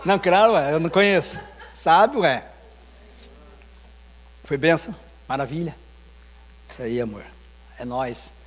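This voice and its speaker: A man's voice: on the high side, unhurried, pauses often, big-room sound, a little hiss or hum. A man with a Brazilian Portuguese accent, a pastor preaching an informal sermon full of anecdotes and acted-out dialogue in a church. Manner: storytelling, animated, acts out dialogue. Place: church sanctuary.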